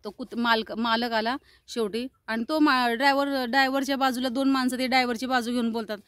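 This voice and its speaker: A woman's voice: fairly high pitch, fairly even intonation, a bit bright, dry recording, studio quality. A woman vlogger telling an angry story, quoting the people she argued with. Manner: indignant, rapid retelling with quoted dialogue.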